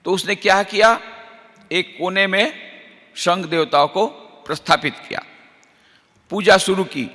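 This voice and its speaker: A man, a monk lecturer, giving an animated storytelling sermon to teachers and asking the audience rhetorical questions. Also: high voice, a little slow, long pauses, in a large hall. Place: large lecture hall.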